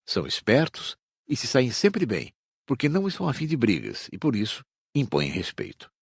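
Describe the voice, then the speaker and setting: A man's voice: mid-range voice, huge pitch swings, moderate pace, vocal fry, husky, no room sound, studio quality, exaggerated voice. A Brazilian man playing an earnest spirit teacher, explaining with emphasis in an audiobook dialogue. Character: earnest male spirit teacher, admiring and instructive.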